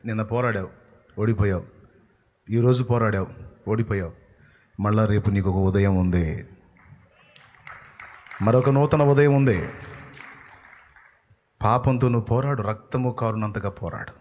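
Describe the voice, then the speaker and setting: A male pastor preaching a sermon, swinging between loud outbursts and hushed tones, full of rhetorical questions. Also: fairly low pitch, measured pace, pauses often, a little hiss or hum.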